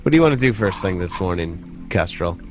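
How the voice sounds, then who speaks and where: A man's voice: low voice, animated, brisk, soft background music. A man working as game master, narrating a tabletop game and addressing his players.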